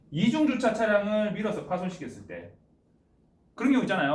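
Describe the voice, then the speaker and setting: A man talks at a very fast pace. Audible room echo and noticeable background noise surround his voice. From Gyeongsang region, South Korea. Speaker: insurance agent. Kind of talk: casual explainer talk. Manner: conversational, with fillers.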